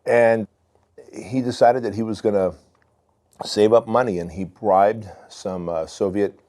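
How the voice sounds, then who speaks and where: A man's voice: low-pitched, mellow. A man in his forties from Armenia, a podcast guest telling his story in a candid, loose way. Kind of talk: casual storytelling.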